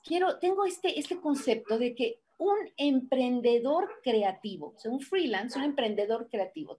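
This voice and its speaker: A woman giving a motivational conference talk on design, lively and full of rhetorical questions. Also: on the high side. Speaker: conference speaker.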